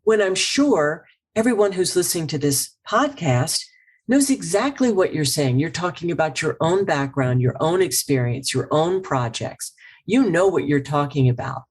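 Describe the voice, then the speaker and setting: Woman guest: emphatic communication coach, slightly husky, acts out phrases. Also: low voice, a little mellow. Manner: passionate. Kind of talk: casual interview chat.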